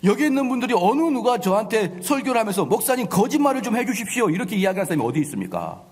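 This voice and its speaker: A man's voice: sits high, sing-song, racing, darkish tone, slightly rough, long reverb tail. A man preaching a sermon as a pastor, emphatic, often voicing the complaints of his listeners. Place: church sanctuary.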